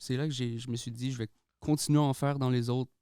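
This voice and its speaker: A young Québécois man talks easily in a casual interview, dropping English words and laughing often. His voice is smooth and clear, recorded dry and close. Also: mid-range voice, fairly even intonation, fast talker, dark tone, no room sound. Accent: Québécois French. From Quebec, Canada. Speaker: guest artist.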